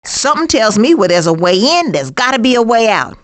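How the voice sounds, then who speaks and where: High-pitched, sassy skunk. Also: female voice, very animated, brisk. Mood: wry. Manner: sarcastic, slangy, wisecracking. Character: sassy, streetwise female skunk with a sarcastic temper. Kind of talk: animated video game voice acting.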